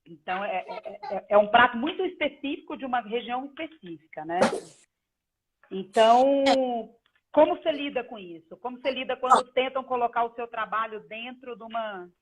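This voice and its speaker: A Brazilian woman interviewing casually on an online live call, often halting as she searches for words. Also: fairly high pitch. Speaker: journalist, interviewer. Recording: tinny phone-like call audio.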